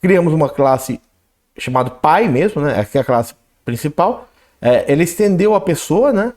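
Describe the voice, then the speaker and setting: A man teaches programming in a screen-recorded coding lesson. He explains as he types and reads the output aloud, often adding a quick "né?". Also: fairly high pitch, animated, darkish tone. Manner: talks while typing code, reads output aloud, frequent "né?" and "ok?". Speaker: programming instructor.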